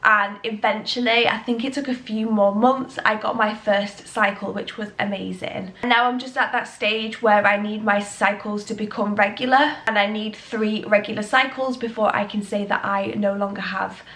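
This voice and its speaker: A woman's voice: mid-range voice, fairly even intonation, moderate pace, hardly any pauses, fairly bright tone. A young woman with a British accent, talking chattily to camera and sounding nasal from a cold. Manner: chatty, rambling, reassuring. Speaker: health vlogger. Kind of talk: casual talk to camera.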